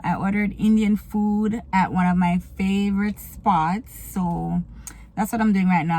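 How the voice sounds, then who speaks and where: A woman's voice: on the low side, a little mellow. A woman from Kingston with a Jamaican accent, chatting casually to her viewers from inside her car, laughing often and slipping into patois. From Jamaica, raised in Kingston. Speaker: vlogger and small business owner. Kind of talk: casual get-to-know-me chat.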